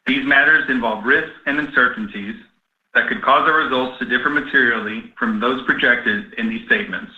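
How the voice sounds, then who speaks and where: A man with a mid-pitched voice opens a corporate call as an investor relations executive. He reads prepared remarks in a formal script. The recording is clearly roomy and a little dull, as over a conference line.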